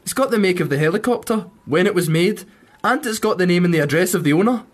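A woman's voice: fairly low pitch, animated, fast. A woman playing a pedantic, curious schoolboy with a British accent in a children's radio drama. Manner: pedantic, matter-of-fact.

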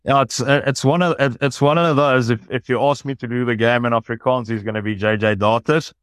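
A man's voice: mid-range voice, fairly even intonation, brisk, no echo. A man, a rugby commentator talking enthusiastically and analytically in a podcast discussion.

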